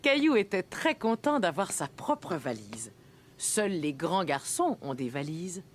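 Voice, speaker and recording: A woman narrating a children's cartoon as a gentle storyteller, reading a scripted tale about a small child. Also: on the low side, big pitch swings, measured pace, noisy background. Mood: storytelling.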